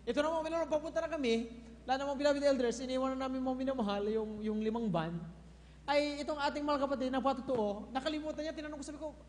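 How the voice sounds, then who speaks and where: A man's voice: very high voice, quick pace, darkish tone. A man giving a church testimony to a congregation, telling his story and often addressing them as beloved. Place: church hall. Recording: echoey hall with faint noise.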